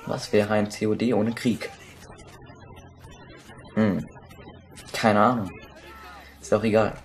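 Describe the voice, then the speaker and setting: A young man giving crude, excitable commentary while playing a shooter, swearing and shouting at enemies. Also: fairly low pitch, slow, a little hiss or hum. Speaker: let's play gamer. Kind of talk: casual gameplay commentary.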